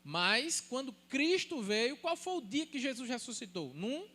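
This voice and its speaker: Pastor with a light, thin voice. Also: male voice, very high voice, a little slow. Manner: animated, jokes with the congregation, asks and answers his own questions. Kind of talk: sermon.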